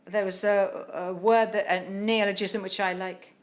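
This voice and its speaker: Halting woman interpreting a talk. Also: mid-range voice, little pitch movement. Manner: halting, many pauses and restarts.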